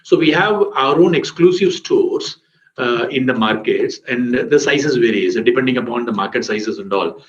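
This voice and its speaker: Male company executive, explanatory, lowish-pitched, muffled roomy conference line. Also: lively intonation, normal speed. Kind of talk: answering questions on an earnings conference call.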